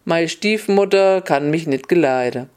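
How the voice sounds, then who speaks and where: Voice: medium pitch, measured pace, a little mellow, clean tone, close to an everyday voice. A storyteller voicing a defiant young girl in a snow-white dress, speaking in with a cheeky, matter-of-fact manner. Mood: pert.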